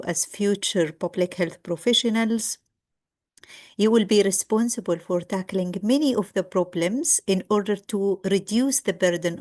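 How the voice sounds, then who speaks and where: A middle-aged woman from Egypt gives a lecture over a video call, speaking in a measured way with frequent ums and restarts. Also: mid-range voice, darkish tone. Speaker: guest lecturer. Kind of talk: online lecture.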